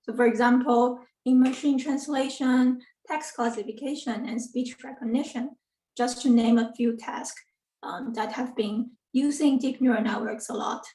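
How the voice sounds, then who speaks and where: A woman's voice: a little high, steady tone, moderate pace, mellow. Woman, from a distance. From Taiwan. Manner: earnest, with frequent ums and self-corrections. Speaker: guest lecturer, assistant professor. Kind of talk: academic talk on a video call. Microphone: video call computer mic. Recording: roomy, distant from the mic.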